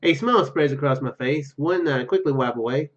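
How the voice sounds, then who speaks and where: A man doing a let's play, reading story text aloud haltingly and dropping in casual asides. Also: medium pitch, dull audio. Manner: halting, stumbles over read words. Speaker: gaming YouTuber.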